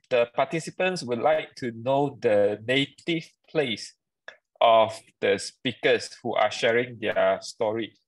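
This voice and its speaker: A man moderates the questions on a webinar over a video call. He is polite and hesitant and fills his pauses often. The sound is dry and close. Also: medium pitch, gravelly, no echo, rough recording. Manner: polite, hesitant, many fillers.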